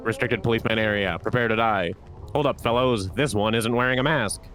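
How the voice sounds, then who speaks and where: A man's voice: lowish voice, brisk, fairly bright tone, slight background noise, pitched below the performer's own voice, lightly acted. A man voicing goofy, officious game policemen with artistic pretensions, in a mock-authoritative theatrical manner.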